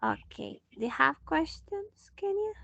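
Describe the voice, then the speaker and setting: Slow-talking woman English teacher. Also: extremely high pitch, sing-song, gravelly, bright, forceful tone, no echo. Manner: slow, patient, switching into Spanish to explain. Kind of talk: online English lesson.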